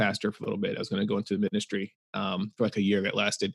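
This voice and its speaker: A man with an American accent, recorded dry and close with no echo. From US East Coast, Florida. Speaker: anesthesiologist, podcast host. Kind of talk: casual interview chat.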